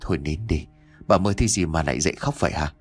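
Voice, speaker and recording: A worried husband played by the narrator speaks low and soft, calming his wife. The sound is dry and close, with faint music beneath. It is a gentle storybook figure. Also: a little fast, breathy edge, dry recording. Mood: soothing.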